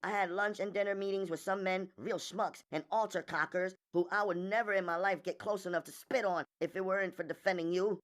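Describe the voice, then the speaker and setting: A woman's voice: mid-range voice, steady tone, natural voice. A woman playing an intense, blunt, probing female defense attorney in an audiobook, speaking emphatically and insistently. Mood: exasperated, reproachful. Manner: emphatic, insistent, rapid-fire delivery. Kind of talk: audiobook character dialogue.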